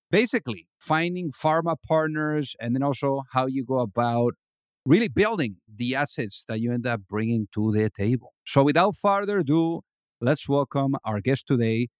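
A man's voice: medium pitch, no room sound, clean studio sound. A man hosting a podcast, introducing his guest in an upbeat, chatty way with filler phrases. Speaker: podcast host. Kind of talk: casual interview hosting.

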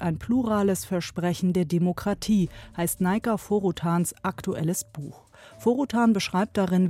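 High-pitched mellow male presenter. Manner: read, even and formal. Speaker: radio presenter introducing a book. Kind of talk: scripted radio narration.

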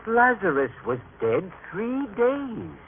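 Radio drama local: a fervent eyewitness, solemn and emphatic, through narrow old-radio sound. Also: male voice, sits high, sing-song, slow pace, a little hiss or hum, heavily acted. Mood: earnest conviction. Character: devout townsman, believing male eyewitness. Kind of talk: vintage radio drama acting. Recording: tinny band-limited old radio recording.

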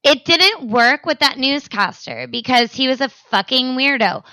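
A young woman in her twenties chats on a comedy podcast, rambling through stories with constant filler words and casual swearing. Her voice sits high and sounds crisp and clean, recorded dry with no room sound. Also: lively intonation, unhurried, pushed and bright, no echo, poor audio. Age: 20s. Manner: rambling, filler-heavy, profane. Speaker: podcast co-host.

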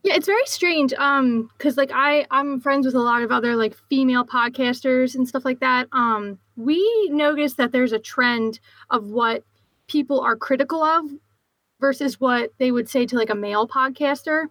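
A woman from Philadelphia with a clear Philly accent hosts a podcast in loose, rambling talk full of fillers. Her voice sits fairly high and sounds close and dry, with no room around it. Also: moderate pace, a bit bright, no echo. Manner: chatty, rambling with many fillers. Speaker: podcast host. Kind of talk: casual podcast chat.

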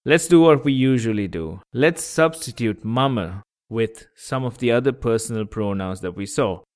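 A man's voice: mid-range voice, animated, normal speed, darkish tone. A man teaching a language lesson on a podcast, patiently repeating examples and breaking words into syllables.

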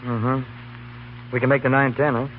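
An actor playing a casual, slangy, quick-tempered young college student in a 1930s radio comedy. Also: male voice, medium pitch, little pitch movement, slight background noise, natural voice. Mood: wry. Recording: tinny 1930s radio, music behind.

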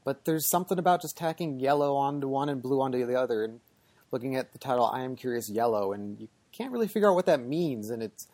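A man's voice: mid-range voice, darkish tone, dry recording. A man hosting a podcast who talks casually about a film and passes the talk to his guests. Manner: quick, easygoing, leads the talk and hands over to guests. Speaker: podcast host.

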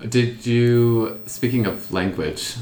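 A man's voice: mid-range voice, takes it slowly, a little mellow. A man co-hosting a podcast in easygoing, agreeable casual chat. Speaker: podcast co-host. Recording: roomy echo, faint noise.

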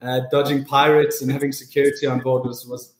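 A man's voice: medium pitch, flat delivery, brisk, echoey room. A young man, a former yacht officer in business development, answering casually with lots of "you know". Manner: casual, repeats words, uses "you know" often. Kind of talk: podcast interview answers.

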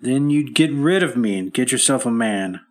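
In an old time radio play, a man acts a middle-aged husband worn down by a bad heart. He talks in a sighing, strained way and turns bitter and despairing. His voice sits at an ordinary pitch for a man. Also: animated, moderate pace, darkish tone, lightly acted.

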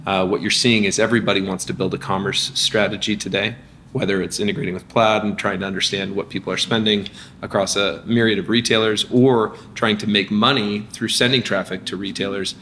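A man, a company founder, speaking as a guest in a casual business interview, energetic with lots of restarts and fillers. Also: on the low side, a little fast, slight background noise.

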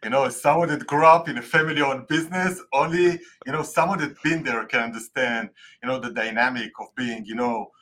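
A man's voice: mid-range voice, brisk, few pauses, bright, forceful tone, a little hiss or hum. A man with an Israeli accent, a native Hebrew speaker, answering interview questions in English and often searching for words. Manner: many fillers, searching for words. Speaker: guest tax expert.

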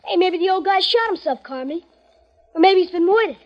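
Cheeky American street boy, acted by a woman, very high voice, eager, slangy, old radio drama, dull sound. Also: lively intonation, a little fast. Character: brash, eager small city street boy. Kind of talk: vintage radio crime drama acting.

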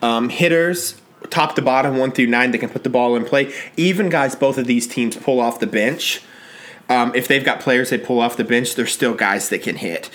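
Man, thirties, casual co-host chat, excitable, quick bursts, ordinary pitch. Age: 30s. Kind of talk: casual chat and sports talk.

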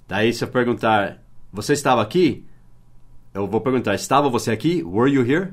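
Brazilian man, language-teacher host, patient explainer, mid-range voice. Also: medium pitch. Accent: Brazilian Portuguese. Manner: explains patiently, spells words letter by letter. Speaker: English teacher. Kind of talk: podcast lesson.

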